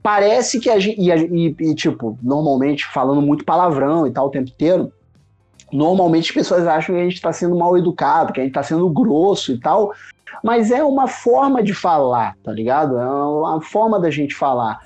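A man's voice: a little high, expressive, a little fast, darkish tone. A man from Rio de Janeiro with a Carioca accent, talking casually as a podcast guest in informal Rio street slang, recorded on a phone. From Rio de Janeiro, Brazil. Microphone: mobile phone. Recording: muffled phone recording with music behind. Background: music.

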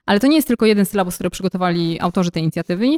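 A woman's voice: lowish voice, very fast, darkish tone. A young woman co-hosting a podcast in casual conversation, explaining things at length with frequent hesitations and fillers. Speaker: podcast co-host.

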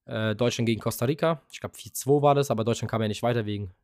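A man's voice: medium pitch, fast, a little mellow, no room sound, clean studio sound. A young man co-hosting a podcast, telling a long casual story with lots of fillers and offhand swearing. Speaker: podcast co-host. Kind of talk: casual chat.

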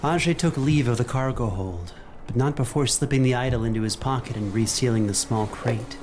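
A man narrating a horror fiction podcast as game master, in a measured, formal storytelling manner. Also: medium pitch, background noise. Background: music.

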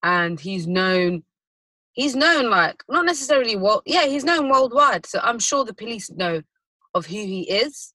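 A speaker with a London accent, debating casually as a co-host in slangy talk. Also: female voice, mid-range voice, lively intonation, unhurried, pushed and bright, no echo. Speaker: podcast co-host.

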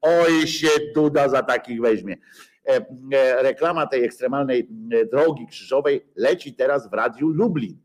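A man riffing through a loose satirical monologue, mocking and crude. He swears freely and keeps stalling on filler sounds, restarting his sentences as he goes. His voice sits at an ordinary middle pitch. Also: moderate pace. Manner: sarcastic, profane, full of hesitations.

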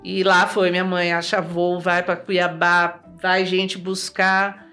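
A Brazilian woman as an interview guest, telling a personal story in a lively way, acting out remembered dialogue and often tagging her sentences with "né?". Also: fairly low pitch, slow, faint music behind. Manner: lively, acts out remembered dialogue, tags lines with "né?".

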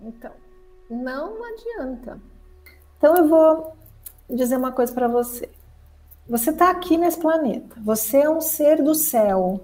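A woman from Brazil, giving a spiritual talk to her viewers as a teacher and therapist, lively and expressive, acting out the inner voice of the mind. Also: high voice, unhurried, long pauses, soft background music, poor audio.

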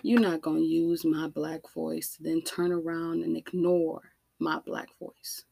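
A woman with an African American accent delivering an impassioned monologue, emphatic and deliberate, with rhetorical questions and repetition. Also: sits low, level tone, gravelly, mellow, breathy edge, no echo, clean studio sound. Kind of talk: impassioned spoken monologue to listeners.

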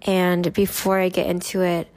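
A woman's voice: fairly low pitch, completely flat delivery, moderate pace, darkish tone. A young woman hosting a casual solo podcast, chatting in an upbeat, rambling way while still getting over a cold. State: recovering from a cold. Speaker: podcast host.

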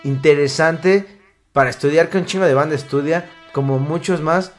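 A man's voice: a little high, normal speed, soft background music. A man with a Mexican accent hosting a casual chat, rambling in slang and interrupting himself. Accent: Mexican Spanish.

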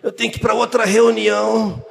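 A man's voice: sits high, flat delivery, a little fast, gravelly, voice pushed up. A man mocking a complaining churchgoer in a whiny, sing-song voice. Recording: long hall reverb.

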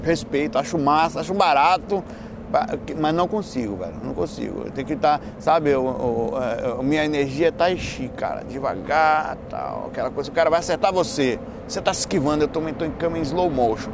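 A man with a Bahian Brazilian accent and a slightly high voice talks in a loose, casual chat. He is playful and slangy, often breaking off and restarting his sentences. Traffic and street noise are clearly heard behind him. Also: expressive, fairly quick. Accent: Bahian Brazilian Portuguese. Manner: colloquial, slangy, playful, with repeated false starts and self-interruptions. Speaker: speaker answering audience questions on spirituality and lifestyle.

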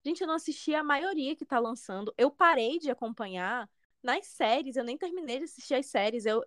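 A woman with a high voice co-hosting a podcast, talking in a relaxed, conversational way. The sound is dry and close, with no room around it. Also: no room sound. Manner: relaxed, conversational, laughs easily. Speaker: podcast co-host. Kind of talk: casual podcast chat.

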